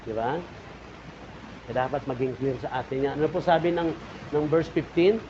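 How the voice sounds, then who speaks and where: A man's voice: medium pitch, normal speed, highs cut off, background noise. A male pastor with a Filipino accent preaching a sermon in a church, building up emphasis and calling out to the congregation. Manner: preaching with rising and falling emphasis, repeated calls to the congregation.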